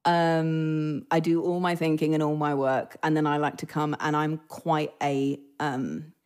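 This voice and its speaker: A woman's voice: low voice, flat delivery, unhurried, darkish tone, clear, resonant tone. A British woman chatting as a podcast guest, self-deprecating and full of fillers. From Britain. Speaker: actress guest. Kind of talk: casual podcast chat. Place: remote or studio podcast recording.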